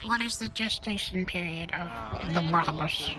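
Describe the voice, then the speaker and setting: A man joking in a deadpan, mock-formal tone in casual chat. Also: high-pitched, measured pace. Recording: crowd of voices behind.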